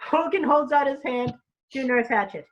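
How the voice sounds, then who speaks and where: A woman narrates stage directions through slightly dull, lo-fi audio. Her voice is fairly high, and her informal scripted reading has small stumbles and repeats. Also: normal speed.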